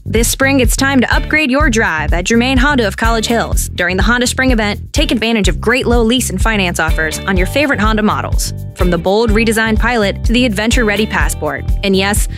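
A woman voicing a radio car dealership ad in a bright, upbeat sales delivery. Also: fairly high pitch, expressive, a little fast, hardly any pauses. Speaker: ad voice-over. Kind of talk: upbeat commercial read. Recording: radio ad with guitar music.

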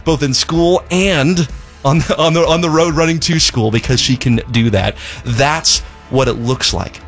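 A man's voice: on the high side, fairly bright tone. A man from Zimbabwe, a charity spokesman, telling a heartfelt story in a radio fundraising appeal, often repeating words as he goes.

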